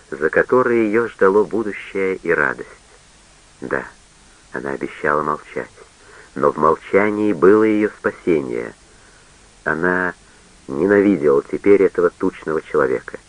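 A man reading a literary novel aloud in a measured, solemn way. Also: low voice, lively intonation, low-quality recording. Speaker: audiobook reader. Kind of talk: literary audiobook narration.

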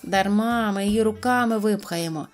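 A woman voicing a brisk, bossy little male mechanic in a storybook, giving loud marching commands. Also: medium pitch, faint music behind, close to an everyday voice.

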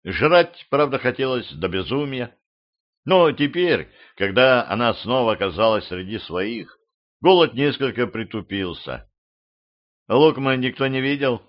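A man's voice: medium pitch, very animated, measured pace. Man narrating an audiobook, lo-fi. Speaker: audiobook reader. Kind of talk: scripted narration. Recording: slightly dull lo-fi audio.

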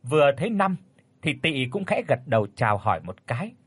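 A man tells a horror story in a husky voice that rises and falls with lively range. The recording is dry and close, with faint music playing underneath. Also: mid-range voice, fairly quick, no echo. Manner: dramatic, expressive. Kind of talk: scripted horror narration.

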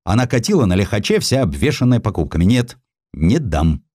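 A man's voice: fairly low pitch, big pitch swings, fairly quick, warm tone, husky, no echo, studio quality. Man acting a scolding, pedantic old-school editor. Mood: scolding, grudging. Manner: indignant, scolding, exacting. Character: dry, pedantic, tight-fisted male magazine editor and colonel.

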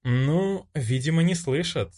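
A man's voice: on the high side, measured pace, dark tone, voice pushed up. A man voicing a stern young noblewoman. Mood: thoughtful. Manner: commanding, stern.

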